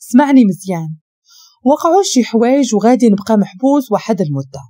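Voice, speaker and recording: A woman's voice: a little high, animated, quick pace, warm tone, no echo, clean studio sound. Woman voicing a curt, cold Moroccan man. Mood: calm. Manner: curt and commanding. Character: stern cold man, a suspect under arrest.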